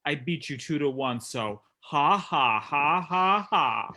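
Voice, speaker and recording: A man's voice: fairly high pitch, animated, takes it slowly, bright, forceful tone, full character voice. A man playing a brash, boastful pro wrestler in a staged promo reading, with cocky, taunting delivery. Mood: cocky, gloating.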